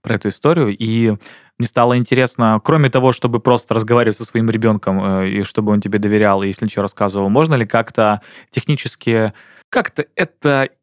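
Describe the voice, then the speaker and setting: A young man hosts a casual podcast and asks his co-host curious questions in a relaxed, agreeable way. His voice sits somewhat low, and the recording is dry. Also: fast, dry recording. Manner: inquisitive, easygoing, agreeable. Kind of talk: casual chat.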